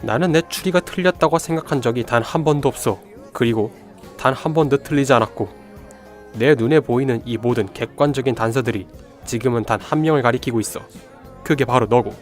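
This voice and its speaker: A man's voice: mid-range voice, fairly quick, faint music behind, natural voice. A man playing a confident young detective in a student radio drama, cool and assertive. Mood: accusing.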